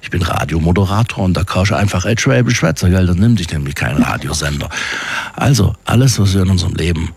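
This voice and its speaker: A man's voice: low-pitched, animated, fast, gravelly, slight background noise. A man hosting a radio call-in show from the studio, chatty and upbeat, often tagging questions with a friendly "gell?". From Swabia, Germany. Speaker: radio host. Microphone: studio microphone.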